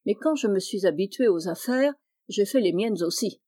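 A woman's voice: mid-range voice, animated, moderate pace, mellow, natural voice. A woman voicing a boastful, scheming young man in a storybook reading, smug and offhand.

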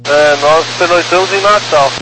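A Brazilian airline pilot comes through over the radio, his voice set a touch above the usual male range. He reads back clearances in short, clipped, routine phrases. The transmission carries a steady layer of hiss and hum. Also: fairly high pitch, moderate pace. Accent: Brazilian Portuguese. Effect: pilot heard over the radio. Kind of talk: radio readback to air traffic control.

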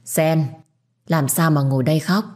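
A woman voicing a kindly older nanny who gently comforts a young servant in an audio story. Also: deep voice, fairly even intonation, normal speed, lightly acted. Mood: gentle. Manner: gentle, reassuring.

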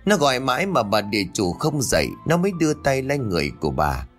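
Husky, expressive male storyteller. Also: medium pitch, quick pace. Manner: dramatic, expressive reading. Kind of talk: scripted dramatic story narration. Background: faint music.

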